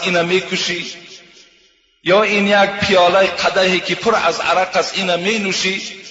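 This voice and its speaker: A man preaching, his voice high-pitched and ringing bright. He retells moral stories in a sermon, tagging lines again and again with "he says." The sound is dull and lo-fi, with a long reverb from a large, echoey hall. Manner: retells tales, repeating "he says" often. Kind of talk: sermon with storytelling.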